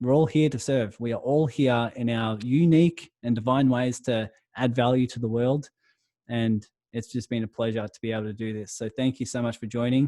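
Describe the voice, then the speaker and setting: Intonation stays fairly even as a man speaks with an Australian accent. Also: medium pitch for a man, moderate pace. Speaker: business networking host and coach. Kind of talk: online networking call. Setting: video call.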